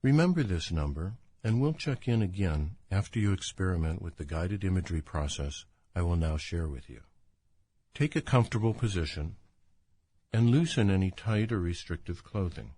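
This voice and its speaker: A man leading a guided imagery relaxation as a doctor, speaking in a calm, soothing, unhurried manner. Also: low voice, husky, no room sound. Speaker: doctor guiding a relaxation exercise.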